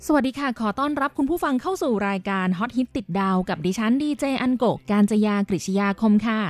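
A woman radio DJ hosting a scripted magazine show, explaining at length in a polite manner with frequent soft polite particles. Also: on the high side, no room sound, clean studio sound. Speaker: radio DJ and host.

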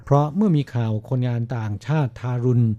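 A male radio co-host on a labor advice show, talking in a relaxed way with small fillers between phrases. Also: mid-range voice, brisk, muffled recording.

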